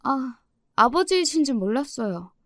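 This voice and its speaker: A woman's voice: high voice, big pitch swings, normal speed, no echo, studio quality, pitched above the performer's own voice. A woman voicing an irritable teenage girl student who whines and snaps back. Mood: sulky sarcastic. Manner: whiny, snapping, exasperated.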